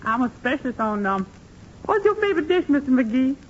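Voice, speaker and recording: A man's voice: very high voice, big pitch swings, brisk, dull audio. A man voicing a giggly, scatterbrained woman housemaid and cook in 1940s radio comedy, full of malapropisms and laughs, on a hissy old broadcast.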